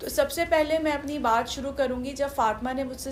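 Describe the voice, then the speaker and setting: A woman's high-pitched voice with fairly even intonation, noticeable background noise and audible room echo. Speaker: religious speaker. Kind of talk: informal religious talk to mothers. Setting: in-person gathering with audience. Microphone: no microphone, speaking unamplified.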